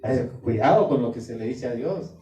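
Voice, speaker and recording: A man's voice: medium pitch, animated, normal speed, mellow, highs cut off. A man preaching a sermon in an emphatic way, acting out the prayers he quotes. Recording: roomy echo, distant mic, faint music.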